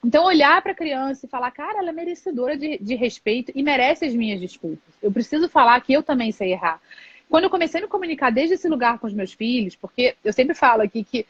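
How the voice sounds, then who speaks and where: A high-voiced woman in her thirties shares her thoughts as a mother on a live stream, reflective and open, often closing with "né". The sound is dry and dull, like lo-fi stream audio over a video call. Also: lively intonation, fast talker, husky, no echo. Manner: reflective, candid, many filler "né". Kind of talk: casual conversation on a live stream.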